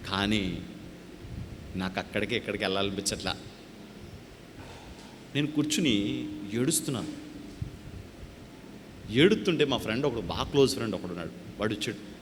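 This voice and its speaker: A man preaching a testimony sermon as a pastor, with a Telugu accent, calling out to the congregation and then dropping low to tell his story. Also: animated, moderate pace, pauses often, background noise. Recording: hall reverb with faint ambience.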